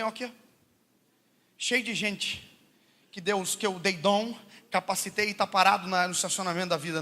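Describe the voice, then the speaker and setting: Animated, bright-voiced Brazilian preacher. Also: male voice, high voice, a little hiss or hum. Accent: Brazilian Portuguese. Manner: animated, joking, shouts at peaks. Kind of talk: humorous sermon storytelling.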